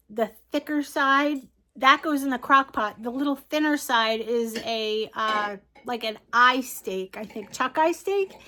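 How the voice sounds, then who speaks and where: Bright and sharp in tone, a woman speaks in a raised, projected voice at a very slow pace. The recording is very clean, with a silent background. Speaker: nurse and lifestyle vlogger. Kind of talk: casual vlog narration. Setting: at home.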